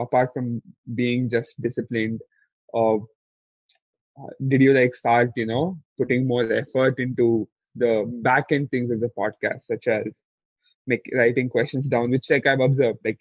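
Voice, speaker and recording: A man's voice: mid-range voice, no room sound. A man asking the host long, meandering questions in a casual podcast interview, with many "uh" fillers. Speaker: guest interviewer. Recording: tinny phone-like line, dry.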